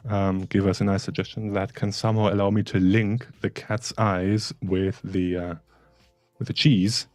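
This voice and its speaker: A man co-hosts a live design stream, chatting casually and tossing out wry jokes. His voice sits low and mellow with a husky edge, recorded dry and close. He drifts off with fillers mid-thought. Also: flat delivery, normal speed, no room sound. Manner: joking, wry, trails off with fillers. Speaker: livestream co-host. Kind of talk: casual live-stream chat while working.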